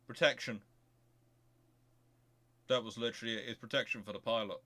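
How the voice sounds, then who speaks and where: A man hosting a casual live question-and-answer stream on history, talking in a halting way as he thinks aloud and repeats phrases. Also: mid-range voice, fairly even intonation, sharp tone. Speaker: host of a naval history stream.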